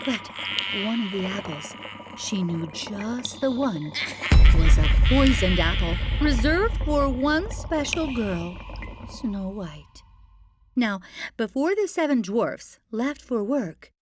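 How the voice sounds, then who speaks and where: A woman narrating a children's fairy tale as an expressive, playful storyteller. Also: fairly high pitch, takes it slowly, heavy background noise.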